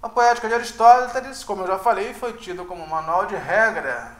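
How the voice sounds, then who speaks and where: A man's voice: sits high, fairly quick, fairly bright tone, roomy sound. A man teaching an informal online lesson, hedging and tagging his sentences with questions, and thinking aloud with restarts. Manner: informal, hedging, frequent "né?" tags. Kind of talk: casual online lecture.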